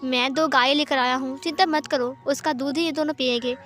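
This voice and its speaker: A woman voicing a playful, bossy young man who is a new father, talking in a fussy, teasing, excitable way. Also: sits high, fairly quick, faint music behind. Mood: cheerful.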